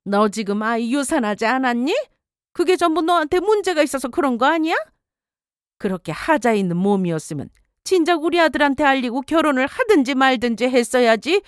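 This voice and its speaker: A woman's voice: sits high, expressive, a little fast, clean tone, no room sound, clean studio sound. A woman voicing a harsh older mother-in-law who berates her daughter-in-law with contempt. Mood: berating.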